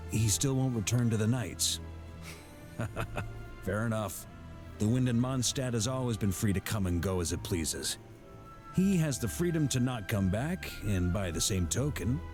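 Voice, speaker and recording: An actor voicing a genial, steadfast grandmaster of fantasy knights, easygoing and assured, in scripted game dialogue. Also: male voice, medium pitch, lively intonation, moderate pace, natural voice. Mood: wry, amused. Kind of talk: scripted game character voice lines. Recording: background music under the voice.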